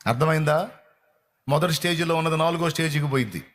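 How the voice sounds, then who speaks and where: Male pastor, high-ish voice, fervent, repetitive sermon delivery. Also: fast talker, fairly bright tone. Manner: fervent, repetitive exhortation addressed straight to the listener.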